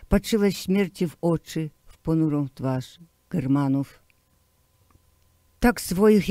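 A man reciting translated poems in a slow, declamatory way, pressing hard on key words. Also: fairly high pitch, mellow, no echo. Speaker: poetry reader. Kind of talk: poetry recitation.

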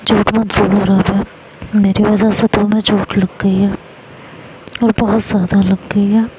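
A woman's voice: medium pitch, little pitch movement, a little slow, noisy background, natural voice. A woman voicing an impulsive young college student who speaks in a defensive, pleading way in an audio story.

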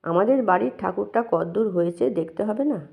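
An earnest elder brother explains himself in a matter-of-fact way, as a woman narrator reads his part. The voice has a gravelly edge. The recording sounds dull and lo-fi. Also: medium pitch, fairly quick, lightly acted.

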